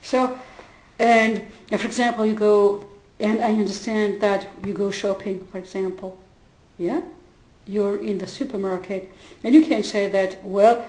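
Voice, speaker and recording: Halting, laughing woman in an echoey room. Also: medium pitch, fairly even intonation, darkish tone. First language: not English. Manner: halting, many fillers and restarts, often bursts into laughter. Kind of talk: casual spoken retelling. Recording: roomy echo.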